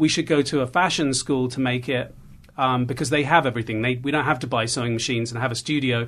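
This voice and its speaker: A man speaks with a British accent and fairly even intonation against a quiet background. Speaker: TV producer. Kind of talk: casual interview chat.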